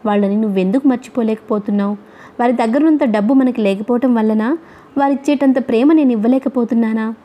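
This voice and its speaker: A woman voicing a quiet, cautious young husband in a storybook reading, in a reserved, measured way. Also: fairly high pitch, lightly acted. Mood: brooding.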